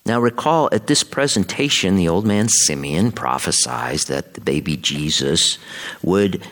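An American man, a Catholic priest, reading scripture and preaching at Mass in a solemn, measured way. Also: sits low, animated, fairly bright tone. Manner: solemn, measured liturgical delivery.

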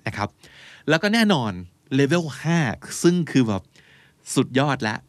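A man's voice: a little high, very animated, unhurried, no echo. A man, co-hosting a podcast and casually explaining English terms, dropping English words into his talk.

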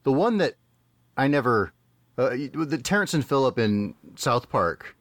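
A man's voice: medium pitch, very animated, measured pace, a bit bright, no room sound. Canadian man on a dry mic. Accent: Canadian, British Columbia. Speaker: podcast co-host. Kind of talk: casual chat.

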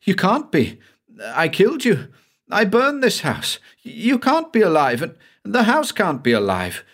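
A terrified, guilt-haunted man, as a male narrator puts him on, shrieking in a high, shrill voice. His pitch leaps and swoops wildly, and the words come out slow and dragged. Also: very animated, fairly bright tone, heavily acted. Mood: raving. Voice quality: shrill, frantic. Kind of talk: dramatic audiobook reading.

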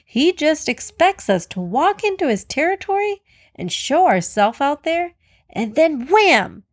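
A woman's voice: high voice, very animated, unhurried, pitched above the performer's own voice. A woman voicing a nervous, exclaiming female antelope in a children's story. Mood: jittery, indignant. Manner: anxious, exclaiming.

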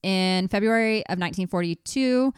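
A woman's voice: mid-range voice, moderate pace, smooth, no echo, clean studio sound. A young woman from Colorado co-hosting a casual history podcast, reading out facts with joking asides. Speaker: podcast co-host.

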